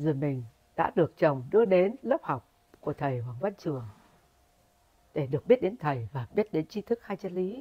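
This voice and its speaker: A woman's very deep, low voice with very wide pitch swings, a moderate pace, and long, frequent pauses. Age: 60s. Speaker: cancer patient sharing testimony. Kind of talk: testimony.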